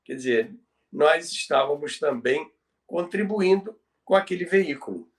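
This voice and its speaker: An older Brazilian man with a fairly high voice talks in a conversational, didactic manner. He stresses his points by repeating phrases. He sounds set back from the microphone. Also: expressive, unhurried. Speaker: co-host, former radio professional. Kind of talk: conversational talk about radio history. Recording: distant from the microphone.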